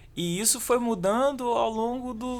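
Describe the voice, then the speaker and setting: Speaking at a fairly slow pace, a man keeps ordinary pitch variation. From Brazil, Macaé (Rio de Janeiro state). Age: 20s. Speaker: worship leader. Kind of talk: podcast interview, testimony.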